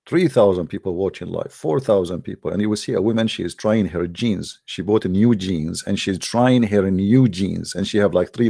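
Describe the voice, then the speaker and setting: Deep-voiced, gravelly Arab-accented man hosting. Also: dark tone. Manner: joking, sarcastic, teasing. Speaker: host of a live debate broadcast. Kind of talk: casual rambling live-stream talk.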